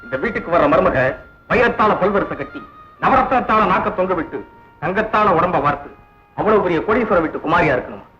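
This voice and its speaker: An actor playing a defiant young heir who gives up wealth for love, speaking in an impassioned, declaiming way in an old film. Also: male voice, high-pitched, expressive, brisk, pushed and bright. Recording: dull old film soundtrack with music.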